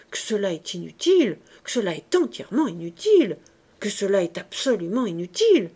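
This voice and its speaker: A woman voicing a poor, brash young girl who chatters loudly and boastfully. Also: fairly high pitch. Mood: excited. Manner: loud, eager, boastful chatter.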